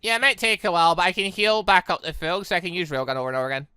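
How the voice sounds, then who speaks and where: A man doing let's play commentary on a game, with animated, rambling asides. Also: sits high, very fast, clean tone, dry recording. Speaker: gaming YouTuber, let's player. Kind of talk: let's play commentary with dramatic read-aloud.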